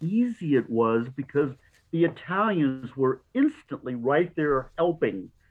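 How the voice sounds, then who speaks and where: Speaking fairly slowly, a man with fairly high pitch makes very wide pitch swings while keeping his loudness very even. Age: 70s. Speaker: retired university professor. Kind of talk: casual interview conversation.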